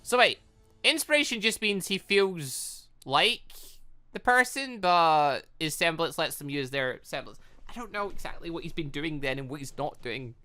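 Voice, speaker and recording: A man hosts a gaming video with a bright, punchy voice that jumps around in pitch. He rambles and reasons out loud as he plays, over soft background music. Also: big pitch swings, moderate pace. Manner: rambling, thinks aloud. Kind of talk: let's-play commentary mixed with reading dialogue aloud.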